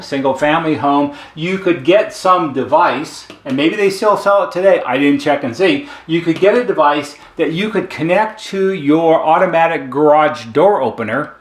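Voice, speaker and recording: A man with a voice a little higher than most talks through an explanation casually. He is plain-spoken and conversational, going step by step like a working technician presenting. The sound is strongly echoey and roomy. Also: a bit bright. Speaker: intercom service technician and presenter. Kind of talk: casual explainer talk with a diagram.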